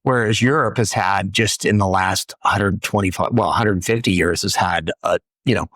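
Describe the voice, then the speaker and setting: Halting lower-voiced middle-aged man host. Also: a bit bright, no echo, studio quality. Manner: halting, many restarts and fillers. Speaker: podcast host. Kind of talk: casual interview chat.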